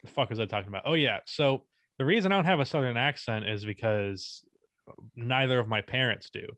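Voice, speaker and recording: Flat-toned young man on a podcast. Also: mid-range voice, a little fast, no echo. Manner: even, unexpressive tone, swears casually. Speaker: podcast co-host and YouTuber. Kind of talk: casual podcast chat.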